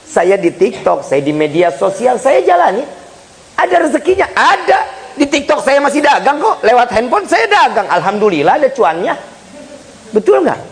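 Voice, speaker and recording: A male preacher giving a humorous sermon, speaking straight to the congregation with loud bursts and hushed asides. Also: very high voice, moderate pace, poor audio. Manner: jokey, animated, swings between loud and hushed; addresses listeners directly as Pak and Bu.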